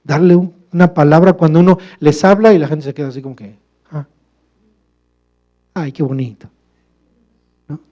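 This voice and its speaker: A man delivers a sermon in a church, his voice pitched fairly high yet mellow and warm. He poses rhetorical questions to the congregation and addresses them as brother. He shifts from emphatic, loud passages to quiet, low asides. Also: quick pace, muffled recording. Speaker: preacher.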